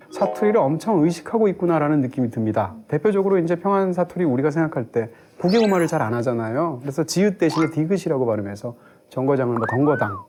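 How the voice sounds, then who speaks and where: A middle-aged man with a fairly high, very animated voice, talking quickly as a film critic. He builds long explanatory arguments in a fluent, lecturing way, with faint music under him. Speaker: film critic co-hosting a movie review show. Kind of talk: analytical film review discussion.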